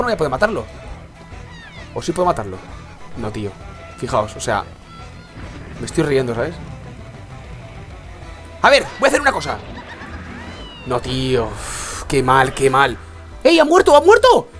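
Young man, congested, gaming commentary, muttering then yelling, lively pitch. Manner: swings from muttering to excited outbursts. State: congested with a sore throat. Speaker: gaming YouTuber. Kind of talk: let's play commentary.

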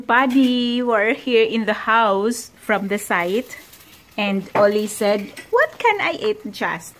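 A woman with a Filipino accent cooking at home for her husband in a casual vlog, talking in halting English mixed with German and Filipino words. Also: fairly high pitch, animated, over music. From Philippines. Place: home kitchen.

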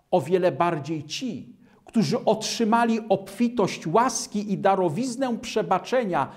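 An older man preaching a sermon in a slow, measured way, recorded in a studio. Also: sits high, darkish tone. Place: studio in front of a starry-sky backdrop.

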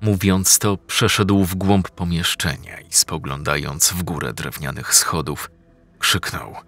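Slow deep-voiced horror narrator. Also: male voice, steady tone, a bit bright, no room sound. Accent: Polish. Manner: slow, measured, ominous.

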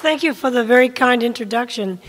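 An older woman giving a public science lecture at a podium, slightly hoarse from a cold, measured with occasional ums. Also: a little high, some chatter behind, slight background noise. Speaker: guest lecturer. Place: large lecture room with audience. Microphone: podium mic. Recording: long hall reverb.

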